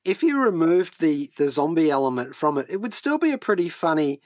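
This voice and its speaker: A man's voice: fairly high pitch, big pitch swings, fairly quick, a little hiss or hum. A man chatting as a radio co-host and reviewer, hesitantly repeating words as he goes. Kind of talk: conversational review chat. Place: radio studio.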